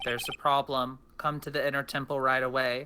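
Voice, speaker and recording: In a put-on character voice at low-to-middle pitch, the speaker goes at a fairly quick pace. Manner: neutral, flat.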